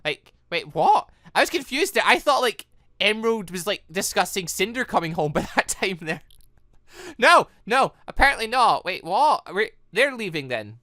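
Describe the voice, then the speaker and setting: Animated woman doing game commentary. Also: medium pitch, no echo, studio quality. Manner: excitable, halting exclamations. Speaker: gaming video host. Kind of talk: casual playthrough commentary.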